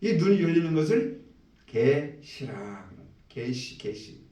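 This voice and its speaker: An animated preaching man in an echoey church hall. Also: a little high, slow pace. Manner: animated preaching, acts out voices of people in the story. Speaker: pastor. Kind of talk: sermon. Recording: echoey room, mic at a distance.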